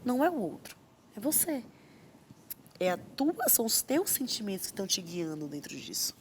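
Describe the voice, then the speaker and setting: A woman's voice: mid-range voice, big pitch swings, normal speed, a little hiss or hum. A woman with a Brazilian Portuguese accent, a guest expert on parenting, explaining earnestly in an interview and acting out parent and child lines.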